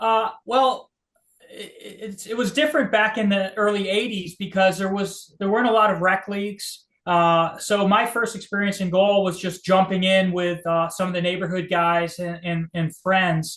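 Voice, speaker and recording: With an American accent, a man speaks at a moderate pace. His pitch is high and his intonation fairly even. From upstate New York. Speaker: lacrosse broadcaster. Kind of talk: podcast interview answer.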